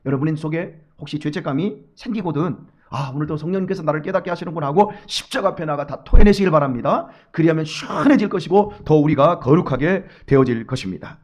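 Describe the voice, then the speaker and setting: A middle-aged male pastor giving an early-morning sermon, speaking straight to his congregation with many rhetorical questions, dropping to quiet asides and rising to loud urging. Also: on the high side. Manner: emphatic, swings from hushed asides to loud exhortation.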